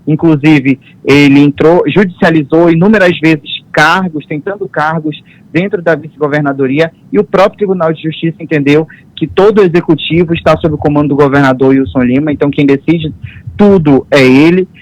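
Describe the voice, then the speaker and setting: A man's voice: on the high side, a little fast, lo-fi sound, a little hiss or hum. A man commenting on politics on a news show, speaking firmly and stressing his points by repeating them. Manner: firm, emphatic and repetitive. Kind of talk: studio commentary.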